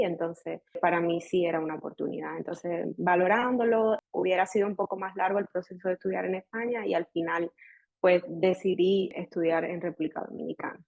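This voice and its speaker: A woman's voice: on the low side, a little mellow, no echo. Young Sevillian woman, Andalusian accent, dentist guest, chatty, sprinkles English words into her Spanish; dull, dry recording. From Spain. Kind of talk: casual podcast interview.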